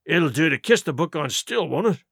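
Uneasy superstitious pirate, by a male narrator; growling, lively pitch. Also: moderate pace, gravelly, slightly rough, no echo, studio quality, exaggerated voice.

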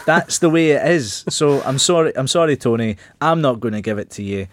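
A man hosting a football podcast, brisk and teasing as he reads results and questions guests. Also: mid-range voice, lively intonation. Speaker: host.

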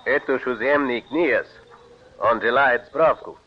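An actor playing a brisk, dismissive army lieutenant who interprets, in a 1940s radio drama. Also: male voice, medium pitch, a little hiss or hum, lightly acted. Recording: muffled old radio recording.

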